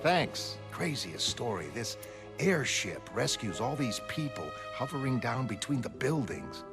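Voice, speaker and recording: A man playing a gruff needling cop. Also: medium pitch, very animated, measured pace. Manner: dry, needling, streetwise. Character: gruff cynical male police detective. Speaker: motion comic voice actor. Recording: music underneath.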